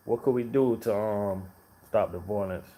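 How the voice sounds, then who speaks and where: A relaxed man from Jamaica talks to the viewers of his live stream in a lowish voice. He rambles loosely, stops and starts, and keeps checking in with his audience. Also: moderate pace. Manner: laid-back, rambling, many fillers and "you know what I mean".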